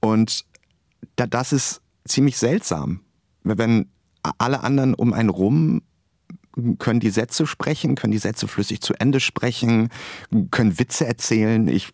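Male guest in his forties, stutters, low-pitched, close dry studio sound. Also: unhurried, a little mellow, dry recording. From Bremerhaven, Germany. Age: 40s. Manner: stuttering, reflective. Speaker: author and journalist guest. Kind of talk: radio interview.

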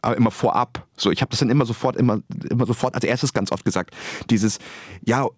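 A man's voice: mid-range voice, fast talker, a little mellow, no room sound, clean studio sound. A man who stutters, repeating words and restarting sentences, speaking reflectively as a guest in an interview.

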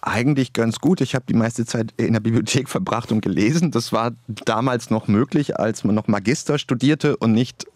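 A man's voice: medium pitch, normal speed, hardly any pauses, darkish tone, no room sound. Stuttering man in a dry interview. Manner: stutters, repeats words and restarts. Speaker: interview guest, writer. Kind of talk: reflective conversational interview.

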